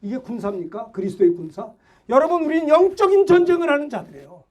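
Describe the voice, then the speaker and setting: Very high-voiced male pastor shouting. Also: expressive, fast talker. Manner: shouting, exhorting, rhetorical questions. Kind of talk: fervent Sunday sermon.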